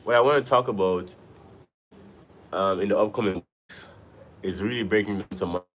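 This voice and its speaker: Deep-voiced Jamaican man chatting on a livestream. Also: normal speed, fairly bright tone, low-quality recording. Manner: loose and rambling, talks straight to viewers. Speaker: livestream host on money and investing. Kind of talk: casual livestream talk to viewers. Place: at home, with a view behind. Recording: clear background noise.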